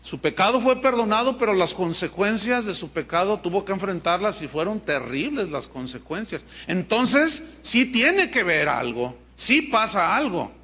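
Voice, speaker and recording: A man's voice: sits high, moderate pace, few pauses. A man preaching a sermon as pastor, telling stories and acting out the quoted dialogue. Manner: animated storytelling, acts out dialogue in quoted voices.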